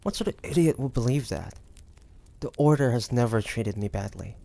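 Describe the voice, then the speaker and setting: A man voicing a wary, stubborn demon hunter from the 1850s in a dramatic audio roleplay, with halting, pointed delivery. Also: medium pitch, animated, vocal fry, warm tone. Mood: skeptical, uneasy. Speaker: voice actor.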